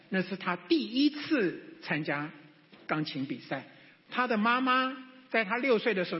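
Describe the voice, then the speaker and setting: High-voiced man preaching in a hall. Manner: storytelling, rising to fervent prayer. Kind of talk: sermon testimony. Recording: dull echoey hall.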